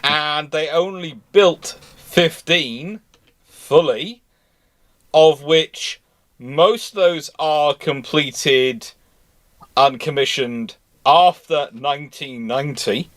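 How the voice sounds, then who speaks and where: Sitting on a live show panel, a man answers naval history questions in a casual discussion, going into pedantic detail. His pitch is fairly high, his tone a bit bright, and he draws out his words.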